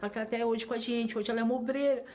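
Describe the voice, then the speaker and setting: A woman's voice: fairly high pitch, steady tone, very fast, a little mellow. Earnest Brazilian woman giving testimony. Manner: earnest, emotional, repeats phrases for emphasis. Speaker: church member giving testimony. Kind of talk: personal religious testimony.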